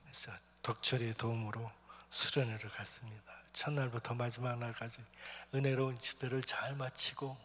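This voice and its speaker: A man preaching a personal testimony in church, swinging from loud, stirring lines to hushed whispers. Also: mid-range voice, level tone, moderate pace. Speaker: missionary preacher. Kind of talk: sermon testimony. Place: church sanctuary. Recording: long church hall reverb.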